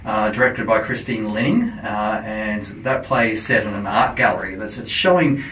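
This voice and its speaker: A man's voice: lowish voice, normal speed, a bit bright, slight background noise. An Australian man talking eagerly as a studio guest on a radio show, explaining with frequent fillers. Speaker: theatre company guest promoting plays. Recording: roomy, distant camera audio.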